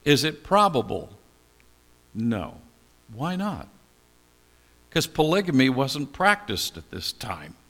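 Working through a Bible passage, an older pastor preaches in a conversational manner, asking questions he then answers. He speaks at a slow pace with frequent pauses, his medium-pitched, slightly bright voice swinging widely in pitch, and a long hall reverb is present.

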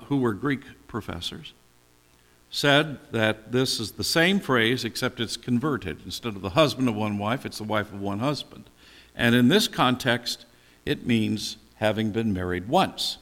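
Older man, pastor, gravelly voice, conversational Bible teaching, asks and answers questions, echoing hall. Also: mid-range voice, expressive, measured pace, a bit bright. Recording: long hall reverb.

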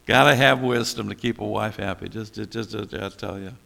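An older man preaching as a pastor teaches through a Bible passage conversationally, posing questions and then answering them himself. His voice is fairly low, fairly quick, and sharp-toned with vocal fry, set in a long hall reverb.

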